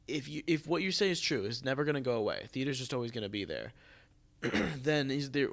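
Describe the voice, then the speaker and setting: An American man hosting a casual podcast conversation, musing in a halting way as he thinks aloud. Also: medium pitch, a bit bright. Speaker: podcast host and theatre artistic director.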